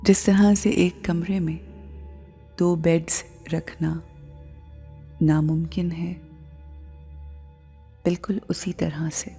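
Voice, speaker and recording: Very slow, hushed South Asian woman guiding meditation. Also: on the low side, little pitch movement. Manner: measured, hushed, with phrases trailing into breathy near-whisper. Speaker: guided meditation host. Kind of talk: slow, soft Islamic guided meditation. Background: music bed.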